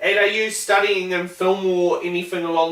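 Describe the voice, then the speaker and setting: With a New Zealand accent and fairly even intonation, the speaker comes through noticeable background noise and audible room echo. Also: man. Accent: New Zealand (Kiwi). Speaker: fan show host, interviewer. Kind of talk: casual interview. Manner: halting, many fillers.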